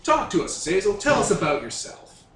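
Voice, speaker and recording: A breezy, flattering radio interviewer, played by a man in a tabletop game chats along like an indulgent showman. The voice sits a little high, in a roomy space with faint noise. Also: a little fast. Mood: chatty, flattering. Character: breezy, flattering radio talk-show host interviewing young gods. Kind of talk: radio interview role-play.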